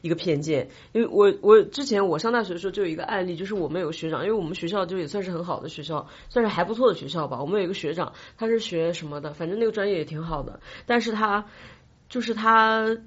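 A woman co-hosting a podcast, chatting casually and telling anecdotes in an animated, repetitive way. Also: lowish voice, fast talker, breathy edge, lo-fi sound. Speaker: podcast co-host.

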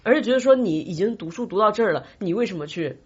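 A woman talks quickly in casual discussion, retelling anecdotes with animated repetition. Her voice is slightly rough and breathy rather than clean. The recording is a bit dull and lo-fi. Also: medium pitch. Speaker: podcast co-host.

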